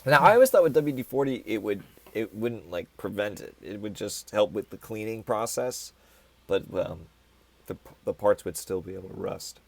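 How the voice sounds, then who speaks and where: Low voiced dude joking around on a podcast with his buddies. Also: lively intonation, normal speed, gravelly, darkish tone, dry recording. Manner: joking, laid-back, asks questions. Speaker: podcast co-host, band member. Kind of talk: casual chat.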